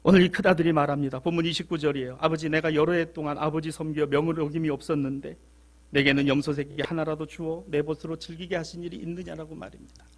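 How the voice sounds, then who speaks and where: A man with a high-pitched voice preaches to his congregation in a church. He asks rhetorical question after question, drops low and quiet, then rises with urgency. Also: steady tone, fast talker. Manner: impassioned preaching with rhetorical questions, swinging from soft to loud. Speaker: pastor. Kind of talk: sermon. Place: church sanctuary.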